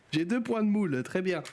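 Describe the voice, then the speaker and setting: A man's voice: high-pitched, expressive, unhurried, a little mellow. A man chatting casually as a player in a tabletop role-playing game.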